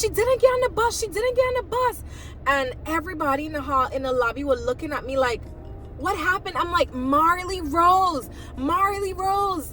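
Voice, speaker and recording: An animated woman with an American accent, her extremely high voice swinging very widely in pitch, over noticeable background noise. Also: moderate pace. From US Virgin Islands, Saint Thomas. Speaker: mom vlogger. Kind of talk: storytime vlog. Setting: in a car.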